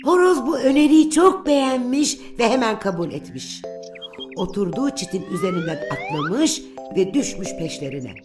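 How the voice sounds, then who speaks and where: A woman's voice: on the high side, very animated, normal speed. A woman narrating a scripted fairy tale for children as the storyteller. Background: prominent music.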